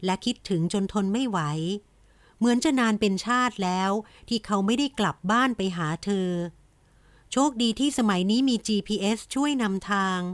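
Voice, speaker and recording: A woman narrating a romance audiobook in an even, gentle storytelling manner. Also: mid-range voice, moderate pace, no room sound. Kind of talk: scripted romance novel narration.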